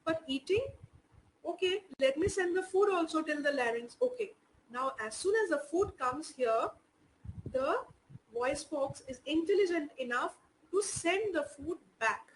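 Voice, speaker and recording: A woman's voice: high voice, expressive, measured pace, slight background noise, rough recording. A woman teaching an online class in Indian English, explaining patiently with many "you know" fillers.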